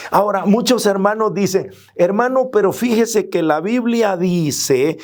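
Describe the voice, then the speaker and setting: A middle-aged man with a Salvadoran Spanish accent preaches a Catholic teaching in an earnest, emphatic way. His voice sits fairly high, and he takes his time. He keeps stopping to quote scripture. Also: measured pace, a little mellow.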